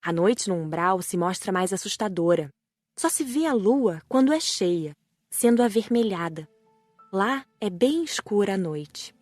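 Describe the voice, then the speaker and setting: Brazilian lady reading an audiobook, mid pitch, dry no echo. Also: expressive, measured pace, a little mellow, faint music behind. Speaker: audiobook narrator. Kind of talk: scripted narration.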